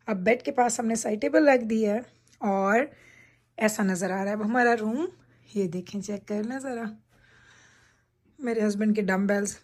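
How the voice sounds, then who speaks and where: A woman's voice: a little high, slightly rough. A woman chatting casually to her viewers as she gives a tour of her bedroom at night, speaking into a handheld phone. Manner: chatty, addresses viewers directly while showing things. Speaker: vlogger giving a room tour. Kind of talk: casual home vlog talk. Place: home bedroom at night, indoors.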